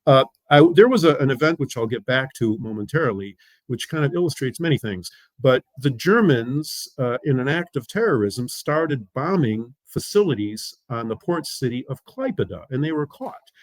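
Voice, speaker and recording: A man in his seventies, a native Lithuanian speaker from the United States, recounting family history in an interview, measured and pausing often. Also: medium pitch, animated, no echo. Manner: measured, pausing with "uh" between thoughts. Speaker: interview guest. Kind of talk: storytelling interview answers.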